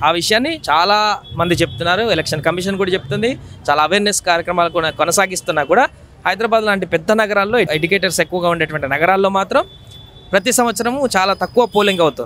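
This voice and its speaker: A man's high-pitched voice at very even loudness. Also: ordinary pitch variation. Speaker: news reporter. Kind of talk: on-location news report.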